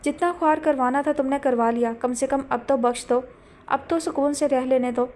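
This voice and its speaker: Woman voicing fed-up young man, curt, dismissive, high. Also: fairly even intonation, darkish tone, lightly acted. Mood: irritated. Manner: irritated, dismissive. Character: weary proud young man, landowner's son.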